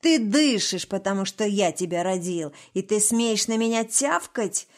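A woman's voice: mid-range voice, animated, a little slow, natural voice. A woman reading the part of a drunk, abusive middle-aged husband who hisses, sneers and growls. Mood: menacing.

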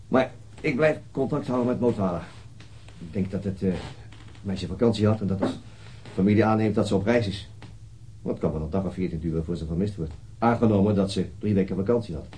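An actor playing a brooding, dogged police detective in a radio drama, weary and musing in a halting, husky voice. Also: male voice, low voice, warm tone. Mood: weary, determined. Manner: halting, musing, muttering to himself. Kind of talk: radio drama acting with introspective monologue.

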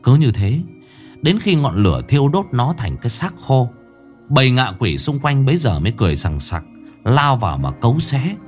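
A man's voice: mid-range voice, big pitch swings, normal speed, soft background music. A man narrating a ghost story in a dramatic storytelling manner.

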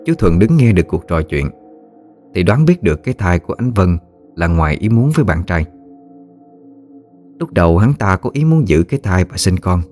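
A man narrating a scripted ghost story in a steady storytelling manner. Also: low voice.

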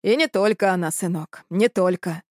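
A woman voicing a stern old village man with a gruff, folksy way of talking. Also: on the low side, normal speed, a little mellow, dry recording, studio quality, lightly acted.

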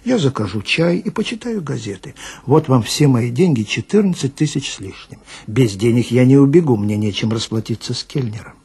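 Guy doing a polite middle-aged con man, raspy n creaky, fussy n pleading, radio play. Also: medium pitch, expressive, fairly quick, warm tone. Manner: pleading, meticulous, dignified. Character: prim, polite, middle-aged swindler, fussy about expenses.

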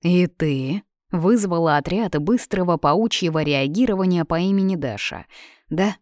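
A woman's voice: on the low side, measured pace, darkish tone, no room sound, lightly acted. A woman voicing a weary, sarcastic young man in an audiobook, sighing through dry remarks. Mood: exasperated.

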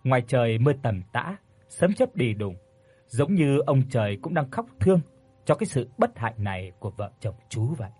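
A man narrates a ghost story in a steady, measured telling. His voice is husky and sits at an ordinary male pitch. The sound is dry and close, with no room around it. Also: dry recording, faint music behind.

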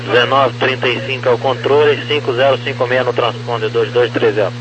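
A man working as an air traffic controller, reading clipped clearances over a crackly aviation radio. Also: medium pitch, fairly even intonation, brisk. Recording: dull, noisy, humming radio transmission.

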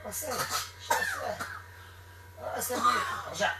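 A man with a Moroccan Arabic accent, performing an exorcism ritual in a stern, repetitive, commanding way that sometimes turns to shouting. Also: extremely high pitch, wildly swooping pitch, slow pace, over music. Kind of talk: ritual commands to a possessed person. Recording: echoey room, distant mic, noisy.

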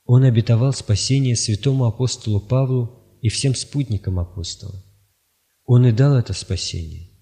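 A man reading spiritual writings aloud in a measured, solemn, even delivery. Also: medium pitch. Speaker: audiobook reader.

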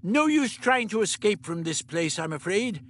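A man voicing an irritable elderly male time traveller who lectures in a brisk, clipped, scolding way. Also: high-pitched, very animated, a bit bright, voice pushed up, full character voice. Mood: lecturing.

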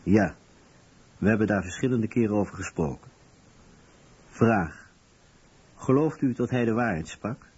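A man's voice: lowish voice, a little slow, long pauses, darkish tone, breathy edge. A man reading translated testimony as a scripted documentary voice-over. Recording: dull lo-fi radio recording.

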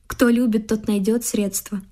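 An actress playing a discontented, frivolous young wife in a classic Russian radio comedy, with a pouty, scornful and stubborn manner. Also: female voice, a little high, steady tone, normal speed, warm tone, close to an everyday voice. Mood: defiant, nagging. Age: young adult. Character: discontented, petulant, frivolous young wife craving fashion and comfort.

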